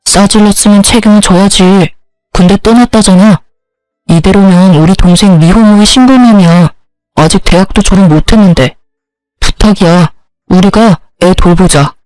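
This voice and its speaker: A woman's voice: medium pitch, normal speed, darkish tone, dry recording, close to an everyday voice, rough recording. A woman playing a defensive, insistent husband. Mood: pleading. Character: defensive husband, pleading then angry.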